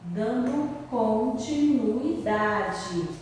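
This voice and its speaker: A woman teacher talks through a lesson at an unhurried pace, drawing out each word and asking the class questions she answers herself. Her voice sits a little high and comes from a distance. The room rings with heavy echo and a long tail, over a faint hiss. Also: lively intonation, a little mellow. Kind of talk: recorded grammar lesson for pupils. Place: room with a board she writes on and erases. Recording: very echoey, long reverb, far from the mic, faint hiss.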